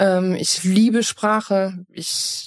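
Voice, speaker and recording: A woman talks with fairly even intonation in a dry, close sound that has no echo. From Belgium, Eupen (German-speaking community). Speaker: former music and fashion industry manager. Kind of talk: casual interview. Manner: loud.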